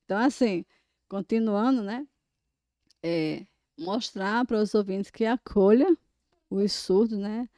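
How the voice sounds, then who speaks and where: A woman's voice: mid-range voice, measured pace, long pauses, mellow, no room sound, studio quality. A woman guest, an interpreter, explaining things in a demonstrative way with many small tag words. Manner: explanatory, demonstrative, peppers speech with "né" and "ó". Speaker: sign language interpreter, guest. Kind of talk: casual podcast conversation.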